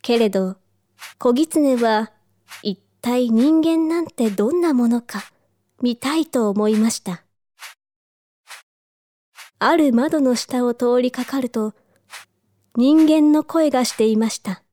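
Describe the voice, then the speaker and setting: A woman narrating a children's storybook in a soft, careful way. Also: a little high, slow, pauses often, no echo. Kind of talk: storybook reading.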